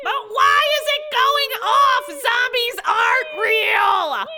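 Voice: extremely high pitch, slow, raised voice, very noisy, pitched above the performer's own voice, exaggerated voice. A performer voicing a whiny, sarcastic male pizza shop employee in a comic story, drawing out complaints. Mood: panicked insistence.

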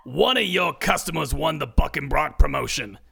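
A man's voice: on the high side, lively intonation, moderate pace, creaky, sharp tone, breathy edge, exaggerated voice. A man doing a bossy corporate woman. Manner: bossy, lecturing. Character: brisk female corporate manager.

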